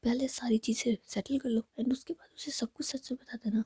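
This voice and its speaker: A woman's voice: a little high, fairly even intonation, a little fast, warm tone, husky, no echo, clean studio sound. A woman whispering the lines of a pushy young male friend on the phone, prodding and dismissive.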